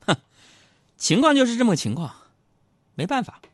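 A man's voice: big pitch swings, moderate pace, breathy edge, no echo. A man with a Northeastern Chinese accent hosting a comic storytelling monologue, playful and teasing, jumping into mock voices. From Northeast China. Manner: jokey, playful teasing, sudden jumps into high mock voices. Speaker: host.

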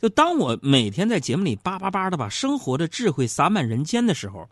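Lively joking middle-aged man host. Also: fairly high pitch, fairly quick, no echo, studio quality. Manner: joking, teasing, chatty storyteller. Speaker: radio-style program host. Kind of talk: humorous storytelling talk show.

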